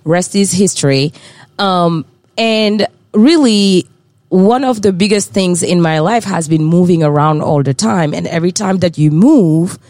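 A woman from West Africa with a West African French accent, a lively guest explaining real estate in a podcast interview. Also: on the low side, measured pace, no echo, studio quality.

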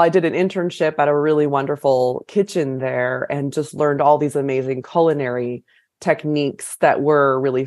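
A woman's voice: very deep voice, a little mellow, no room sound, studio quality. A woman from California, a chef and author, telling her story in a casual interview, chatty, with lots of fillers and restarts.

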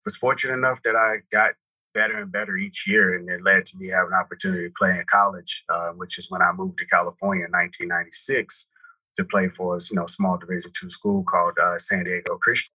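Deep, flat-voiced Texan man. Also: fast, husky, no echo, poor audio. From Houston, Texas. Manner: relaxed, rambling with many "you know" fillers. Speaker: guest, real estate brokerage founder. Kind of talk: casual interview talk.

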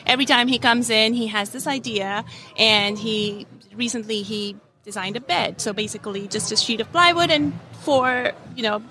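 A woman's voice: fairly high pitch, normal speed, bright, forceful tone. A woman from India, in her thirties, chatting in an upbeat, casual way as an interview guest at a convention, with many fillers. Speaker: DIY creator, guest. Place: convention floor.

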